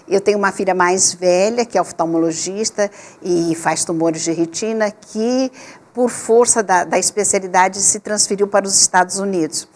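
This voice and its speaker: Older woman, calm measured guest. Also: mid-range voice. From Portugal, raised in Rio de Janeiro. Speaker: guest, gynecologist. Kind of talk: relaxed interview talk.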